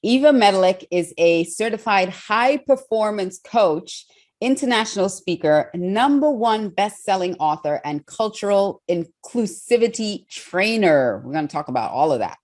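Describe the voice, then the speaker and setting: A woman's voice: mid-range voice, animated, moderate pace, darkish tone. A woman from Trinidad with a Trinidadian accent, hosting a podcast interview with enthusiastic, emphatic delivery. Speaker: podcast host.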